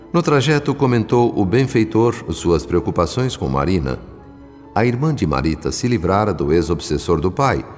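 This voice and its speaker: Deep, reverberant Brazilian narrator. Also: male voice. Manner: solemn, formal, literary. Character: earnest, reflective male spirit narrator. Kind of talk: scripted radio drama narration.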